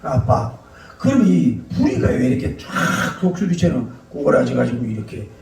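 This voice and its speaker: A small, curious chick asks one innocent question after another, as a preacher puts him on. The voice is gravelly and heard from a distance in a roomy, echoing space. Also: male voice, mid-range voice, sing-song, moderate pace, darkish tone, pitched below the performer's own voice. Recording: echoey hall, distant mic.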